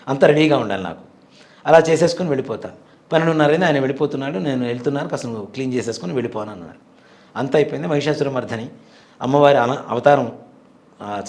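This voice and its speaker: A man's voice: medium pitch, a little mellow. A man in his forties, a temple priest, earnestly telling a devout personal story in an interview. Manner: earnest, devout, vivid retelling.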